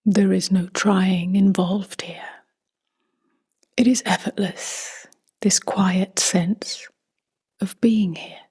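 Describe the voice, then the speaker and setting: A woman speaking softly and gently in a near-whisper as she guides a meditation, unhurried, with long pauses. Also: medium pitch, fairly even intonation. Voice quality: soft, breathy, near-whispered. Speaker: meditation teacher.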